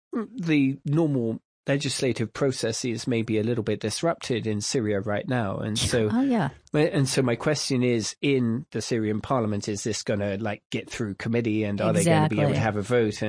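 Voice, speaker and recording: A man speaks in a British accent at a moderate pace, his pitch medium. His intonation is lively, and the background is quiet. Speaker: podcast co-host.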